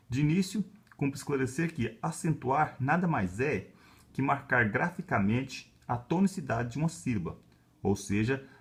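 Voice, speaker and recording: A male university professor from Brazil with a Brazilian Portuguese accent, explaining a lesson in a calm, measured way and often checking in with little tags. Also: medium pitch. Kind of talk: explanatory lecture.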